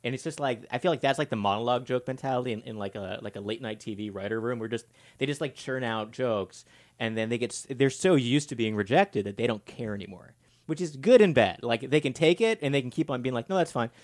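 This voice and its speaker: A man in his forties hosts a relaxed podcast chat, rambling through anecdotes with self-mocking humor. His voice sits at an ordinary middle pitch. It is recorded close and dry, with no room sound. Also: fast talker, dry recording. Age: 40s. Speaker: podcast host. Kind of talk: casual chat.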